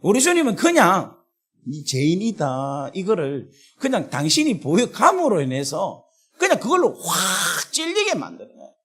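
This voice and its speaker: A man with a Gyeongsang accent preaching a revival sermon at a prayer retreat, earthy and colloquial, at times breaking into shouts. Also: sits high, huge pitch swings, normal speed, breathy edge. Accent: Gyeongsang Korean. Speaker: pastor.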